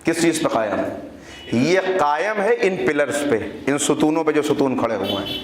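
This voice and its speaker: Male preacher, slightly high voice, rhetorical and dramatic, lectern mic in a roomy hall. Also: expressive, slight background noise. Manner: rhetorical questions, swings between loud high emphasis and low hush. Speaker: religious speaker. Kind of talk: sermon. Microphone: microphone on the lectern. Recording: roomy hall with faint ambience.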